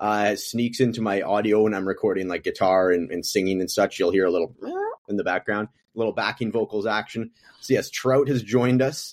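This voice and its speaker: A man with a Canadian accent and an ordinary speaking voice talks at a fairly quick pace and fairly low pitch, with ordinary pitch variation. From western Canada, Prince George, British Columbia. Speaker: sober and recovery coach, podcaster. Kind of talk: interview.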